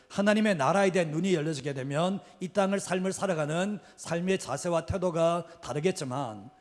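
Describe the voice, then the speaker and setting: A middle-aged man preaching a sermon as pastor, earnest and repetitive, his sentence ends often trailing off quietly. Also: a little high. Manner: earnest, repeats key phrases, trails off at line ends. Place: church sanctuary. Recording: long hall reverb.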